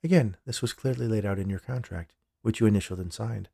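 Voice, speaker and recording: A man's voice: lowish voice, quick pace, gravelly, dark tone, breathy edge, dry recording. A man reads as a female company lawyer in a short story. She is officious and cool, speaking in formal, unbending phrases, with a very dry, close sound. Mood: curt, unmoved. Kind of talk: audio fiction character dialogue.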